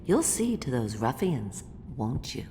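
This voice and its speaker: A woman's voice: a bass voice, very animated, measured pace, heavily acted. A woman voicing an eccentric, half-blind old granny in a video game, muttering and doting in a sweetly sinister sing-song. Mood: fretful, conspiratorial. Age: older. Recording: long reverb, noisy ambience.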